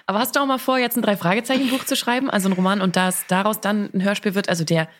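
A woman with a mid-pitched voice who talks very quickly. She sounds like a podcast interviewer in a casual chat, putting questions to a guest. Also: steady tone, a little hiss or hum.

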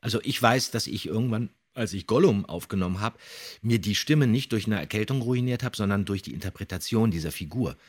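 A man's voice: fairly low pitch, animated, brisk, breathy edge. A man who hosts a podcast and voice acts, commenting casually and animatedly on audio dramas, with theatrically quoted lines. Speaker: podcast host and voice actor.

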